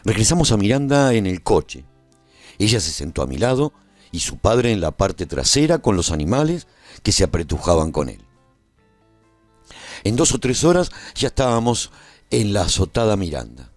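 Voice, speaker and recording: A man playing a humane war survivor who recounts his own story in an expressive, reflective radio drama narration. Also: low-pitched, no echo, full character voice.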